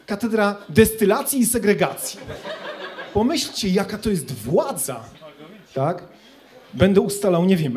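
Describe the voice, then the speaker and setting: A young man with a high, somewhat mellow voice does ironic, conversational stand-up on a student club stage. He speaks into a handheld microphone in front of an audience.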